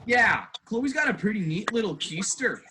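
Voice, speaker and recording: A man's voice: high voice, very animated, normal speed, background noise. A man playing a cocky, oblivious frat-boy husband in a comedy sketch, swaggering in bro slang. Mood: smitten, shameless. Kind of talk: comedy sketch staged reading.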